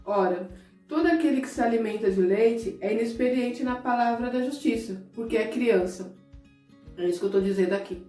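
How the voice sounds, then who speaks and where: Talking straight to her viewers in a conversational sermon, a middle-aged evangelical preacher from Brazil sounds emotional and at moments near tears. Her mellow voice is a little high and a little fast. She's far from the mic in an echoey room, and soft guitar plays behind her.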